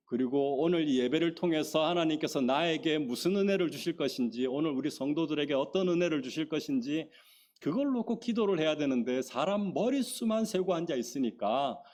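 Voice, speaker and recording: A man, a missionary pastor, preaching a sermon in an earnest storytelling manner with frequent pauses and fillers. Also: darkish tone. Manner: acts out his own prayers with rising pitch and emphasis. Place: church sanctuary.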